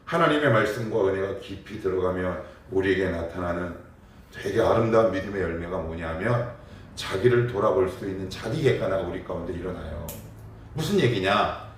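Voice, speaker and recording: A man's voice: low-pitched, expressive, brisk. A man preaching a morning prayer sermon as pastor, explaining with rhetorical questions and acting out everyday dialogue. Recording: very echoey, mic far off.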